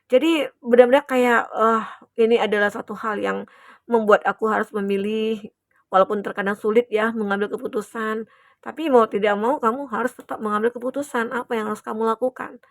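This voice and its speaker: Young woman doing a tarot reading, chatty and reassuring, kinda high voice, dry room. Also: fairly even intonation, a little fast, dry recording. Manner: chatty and reassuring, many fillers and tag questions. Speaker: tarot reader. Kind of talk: collective tarot reading to viewers.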